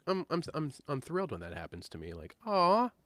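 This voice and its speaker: A man in his late thirties hosting a casual live-stream chat about guitar tones, easygoing and quick to laugh. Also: medium pitch, very animated, no room sound. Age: 30s. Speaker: host.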